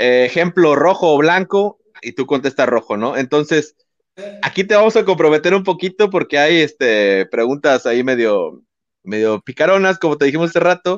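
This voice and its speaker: Talking at a moderate pace, a man speaks with a northern Mexican accent and lively intonation. His voice is fairly high, and the sound is dry and close with no echo. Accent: northern Mexican (Monterrey). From Monterrey, northern Mexico. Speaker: podcast co-host. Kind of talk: casual interview.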